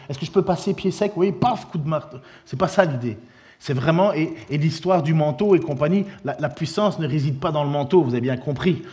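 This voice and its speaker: Guy preaching, chatty and animated, lots of restarts, slightly high voice. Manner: lively, conversational preaching with many restarts. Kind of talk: sermon.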